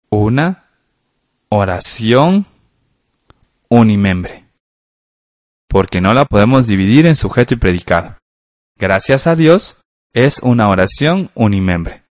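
Guy teaching a radio grammar class, dry close sound, calm and encouraging. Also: on the low side, no room sound. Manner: calm and encouraging, asks confirming questions. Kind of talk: scripted radio grammar lesson.

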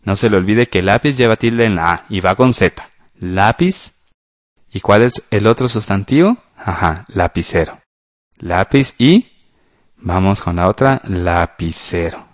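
A patient male teacher giving a radio grammar class, his lowish voice rising and falling in a lively way as he checks each answer. The sound is close and dry, with no room around it. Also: unhurried, no room sound. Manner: patient, walks through exercises step by step with "ajá" and "¿verdad?". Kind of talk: radio lesson explaining grammar.

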